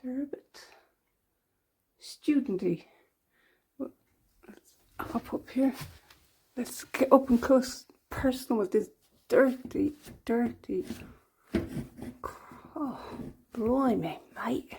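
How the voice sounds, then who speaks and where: A woman's voice: a little high, slow pace, long pauses, dark tone, slight background noise. A woman with an Irish accent chatting casually at home for her vlog, rambling and poking fun at herself. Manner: chatty, rambling, self-mocking. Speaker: vlogger. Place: at home, indoors.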